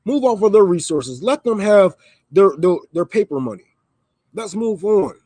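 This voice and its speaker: A man's voice: high voice, animated, moderate pace, mellow, no room sound. A man on a livestream, ranting heatedly and with profanity, repeating lines for emphasis. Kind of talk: livestream rant. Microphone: microphone.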